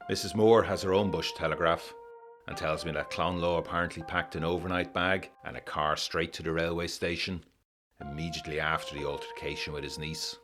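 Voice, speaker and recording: A man playing a haunted 1920s war veteran, reading his letter aloud in a brooding, measured way for a gothic audio drama. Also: extremely low pitch. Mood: grim, tender.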